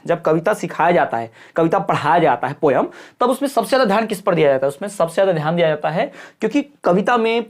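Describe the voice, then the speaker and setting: A male teacher working through an exam-prep lesson in a relaxed, informal way. He explains each answer patiently, repeats the key terms and keeps checking that his students have understood. He calls his listeners "brother", like a friendly tutor. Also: high voice.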